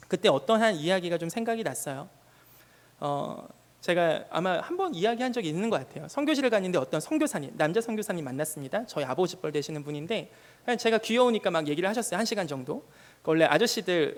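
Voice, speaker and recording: Lively young pastor man, church echo. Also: high voice. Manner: lively and conversational, with humor and acted-out quotes. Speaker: junior pastor. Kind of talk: sermon. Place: church sanctuary. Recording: long reverb in a church hall.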